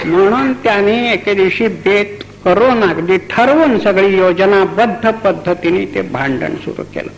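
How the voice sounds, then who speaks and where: High-voiced man telling a devotional story. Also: unhurried, few pauses, soft background music, rough recording. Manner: animated storyteller, chanting refrains. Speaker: kirtan preacher.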